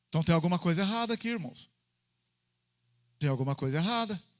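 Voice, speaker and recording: The pace is fairly quick. Intonation stays lively throughout. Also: man. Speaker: pastor. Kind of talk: sermon.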